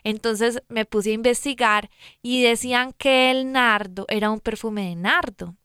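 A woman's voice: fairly high pitch, fairly even intonation, measured pace, fairly bright tone, clean tone, dry recording, clean studio sound. A woman co-hosting a casual faith talk, retelling a Bible story in a chatty, folksy way with lots of "pues" asides. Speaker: Christian talk co-host.

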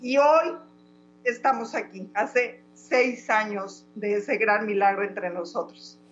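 A woman with a Mexican accent telling her personal story as a guest, earnest and dramatic, slowing down for the key moments. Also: mid-range voice, dull audio, slight background noise. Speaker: guest giving testimony. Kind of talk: emotional personal testimony.

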